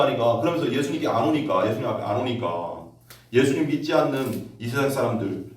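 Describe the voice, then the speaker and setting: Preaching man in an echoey church. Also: far from the mic. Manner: storytelling, rises sharply in pitch when excited. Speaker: pastor. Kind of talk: sermon. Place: church sanctuary.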